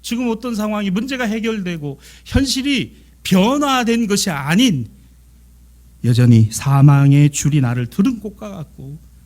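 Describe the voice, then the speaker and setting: A man preaching a church sermon as pastor, swinging between emphatic declarations and hushed, almost whispered lines. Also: sits high, animated, moderate pace.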